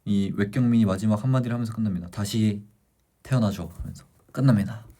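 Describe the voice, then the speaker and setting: A man's voice: lowish voice, very fast, warm tone. A young man hosting a livestream, chatting animatedly as he retells a book's plot to his viewers. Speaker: livestream host. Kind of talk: casual livestream chat retelling a book.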